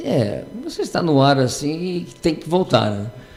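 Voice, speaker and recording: A man's fairly high voice moves with lively intonation against noticeable background noise. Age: 60s. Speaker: retired air force colonel. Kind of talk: radio interview. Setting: radio studio.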